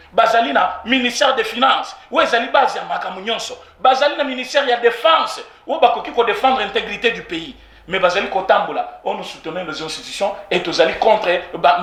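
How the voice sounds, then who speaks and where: High-pitched and swooping, the voice of a political commentator from the Democratic Republic of Congo carries a Congolese French accent. He argues forcefully in a heated street interview, moving between French and Lingala and hammering his points through repetition. Echo colors the audio.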